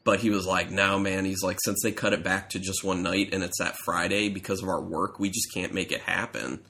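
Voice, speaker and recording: A podcast co-host with a low voice speaks fairly quickly with little pitch movement, vocal fry, and a pushed, bright quality. Congested and stuffy from a cold, he rambles through casual chat, correcting himself as he tells his stories.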